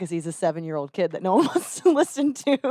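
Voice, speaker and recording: A woman with a slight Texan accent talks at a very fast pace with lively intonation. The sound is dry and close with no echo, though there is noticeable background noise. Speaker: podcast host. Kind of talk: casual chat. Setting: recording at a vitamin lounge.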